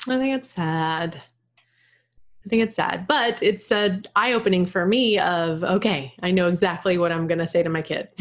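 A woman speaks with a Texan accent at medium pitch. She keeps a moderate pace with ordinary pitch variation. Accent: Texan American. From North Texas. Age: 40s. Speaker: school counselor and life coach. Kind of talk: casual interview chat.

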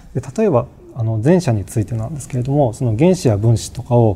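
At a very fast pace, a man speaks at medium pitch, somewhat breathy, with a dark, mellow tone. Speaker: physics professor. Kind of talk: interview. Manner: hesitant, frequent fillers.

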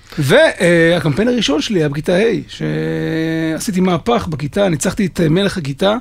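Over noticeable background noise, a man talks at a fairly slow pace in a high pitch, with ordinary pitch variation and very even loudness. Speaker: creative director. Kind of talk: interview. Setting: studio.

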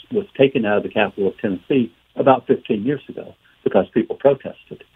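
Using a normal speaking voice, a man of medium pitch speaks at a fairly quick pace with lively intonation. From US South, northern Alabama. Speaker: education professor. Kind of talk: radio interview.

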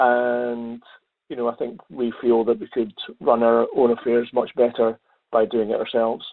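A man's monotone, flat delivery at a very slow pace, with long, frequent pauses. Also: medium pitch for a man. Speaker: politician. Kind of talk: interview. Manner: halting, repeats words.

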